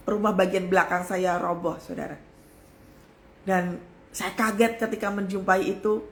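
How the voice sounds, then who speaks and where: A woman's voice: medium pitch, a bit bright, reverberant. A woman pastor preaching a fervent sermon, often calling out to her listeners. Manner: fervent preaching, addresses listeners as brothers and sisters.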